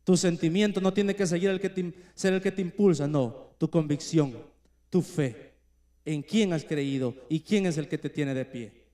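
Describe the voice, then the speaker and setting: Earnest preacher man, mellow voice. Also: fairly high pitch. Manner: earnest preaching with slow emphatic phrases that drop quiet. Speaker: church elder preaching. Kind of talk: sermon. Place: church.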